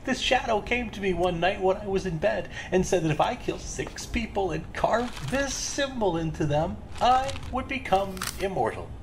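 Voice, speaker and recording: Man playing a chatty, volatile killer with swooping pitch. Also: lively intonation, moderate pace, creaky, few pauses, a little hiss or hum. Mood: impatient, cocky. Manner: rambling, casually menacing, demanding answers. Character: chatty, volatile serial killer boasting to a captive. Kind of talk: audio drama acting.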